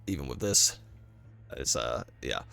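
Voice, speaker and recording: A man's voice: a bass voice, expressive, measured pace, gravelly, pushed and bright, soft background music. A man with a cold and a congested voice casually talking through a game build and run, rambling with frequent self-corrections. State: congested with a cold, losing his voice. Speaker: gaming guide creator. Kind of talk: casual gameplay walkthrough commentary.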